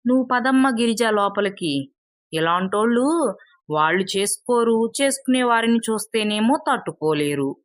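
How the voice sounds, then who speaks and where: A woman voicing a hardworking older mother-in-law in a told folk tale, brisk and commanding. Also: on the high side, lively intonation, no echo, close to an everyday voice.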